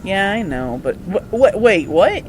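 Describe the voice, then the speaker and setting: A woman as an animated, inquisitive daughter scientist. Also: mid-range voice, a little slow, background noise. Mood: curious, wry. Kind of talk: amateur radio drama acting.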